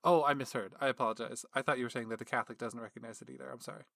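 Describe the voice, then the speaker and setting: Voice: mid-range voice, fairly even intonation, racing, vocal fry, a bit bright, dry recording, clean studio sound. A podcast co-host with a Southern accent, joking and apologizing in casual chat. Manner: joking, apologetic, self-deprecating.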